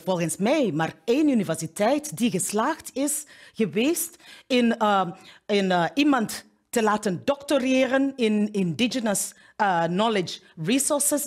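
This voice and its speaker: Woman, middle-aged, husky voice, keynote speaker, animated delivery, frequent restarts. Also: mid-range voice. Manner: animated, gesturing widely, many restarts and repeated words. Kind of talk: keynote talk. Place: studio in front of a plain backdrop.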